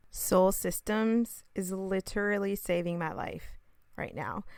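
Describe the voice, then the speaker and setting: A woman speaks quietly on a very clean recording with a silent background. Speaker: podcast host and business coach. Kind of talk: solo podcast monologue. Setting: at home.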